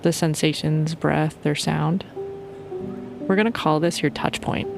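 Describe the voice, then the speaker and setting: A woman's voice: sits low, steady tone, unhurried, gravelly, music in the background. A woman leading a guided sleep meditation in an informal, playful and soothing way.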